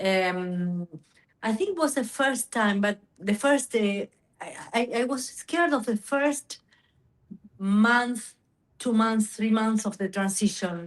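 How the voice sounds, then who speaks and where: A woman with a Spanish accent talks at a very slow pace, leaving long, frequent pauses. Her fairly high pitch shows ordinary variation against a quiet background. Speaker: gray hair model and entrepreneur. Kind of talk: interview. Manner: halting.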